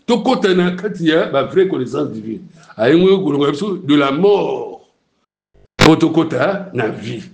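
Un homme à l'congolais qui prêche un sermon et demande souvent à l'assemblée si c'est clair. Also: male voice, high voice. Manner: preaching in Lingala mixed with French, asking the crowd if it is clear. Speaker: preacher.

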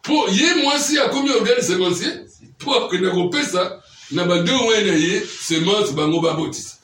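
A man's voice: sits high, lively intonation, normal speed, fairly bright tone, slight background noise. A man preaching a teaching sermon, often checking that his listeners follow him with questions. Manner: keeps quizzing listeners with questions. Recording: echoey room, mic far off.

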